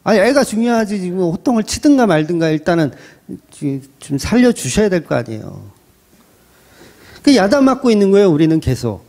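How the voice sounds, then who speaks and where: A pastor delivers a sermon, talking with his congregation as if in conversation and acting out short quoted lines. His voice rises and falls in a lively way, set a little high for a man. The tone stays mellow and warm. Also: fairly quick. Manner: conversational preaching, acts out quotes and asks the congregation questions.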